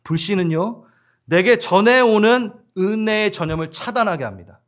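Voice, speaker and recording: A male pastor delivers a church sermon in a high voice at normal speed, lively and laughing with the congregation as he acts out different voices.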